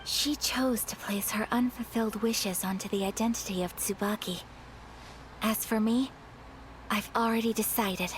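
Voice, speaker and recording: A woman voicing a gentle, polite young noblewoman in a video game, soft-spoken and formal. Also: medium pitch, fairly even intonation, moderate pace, slight background noise, close to an everyday voice, rough recording. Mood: earnest. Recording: game audio with background music.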